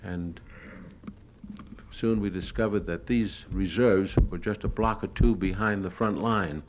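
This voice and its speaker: Deep-voiced man narrating over noisy old recording. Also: measured pace. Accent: American. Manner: matter-of-fact, hesitant reminiscing. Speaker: newsreel cameraman. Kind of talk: unscripted narration of his own home movies.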